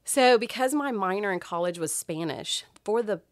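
A middle-aged woman, telling stories as a podcast guest in a chatty, expressive way. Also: mid-range voice, moderate pace, no room sound, studio quality. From Texas, US. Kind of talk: casual chat.

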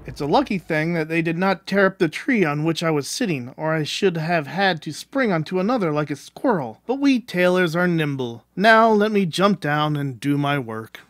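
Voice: mid-range voice, animated, moderate pace, hardly any pauses, no room sound, clean studio sound, lightly acted. An actor voicing a boastful, nimble little male tailor in an audio storybook, with cocky declamatory delivery. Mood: pleased, relieved. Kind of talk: audio storybook character acting.

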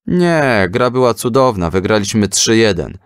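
Man as a guilty schoolboy, curt, defensive, raised pitch, storybook tale. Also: animated, moderate pace, clean tone, dry recording, clean studio sound, natural voice. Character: evasive schoolboy with a guilty conscience.

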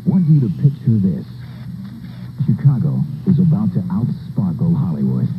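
Showy American promo announcer, tinny radio sound. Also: male voice, low-pitched, very animated, moderate pace, very noisy. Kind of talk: 1970s scripted radio promo. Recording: tinny, band-limited 1970s radio aircheck. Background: music.

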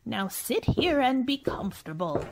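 An actress playing an eccentric little old aunt in a radio play, with a quavering voice, repeating herself abruptly. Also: female voice, on the high side, sing-song, unhurried, background noise. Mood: eerily welcoming.

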